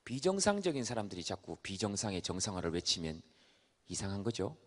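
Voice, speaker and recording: A man giving a comedic stage talk to a live audience, an animated storyteller who acts out the voices he quotes. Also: lowish voice, brisk. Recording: long hall reverb.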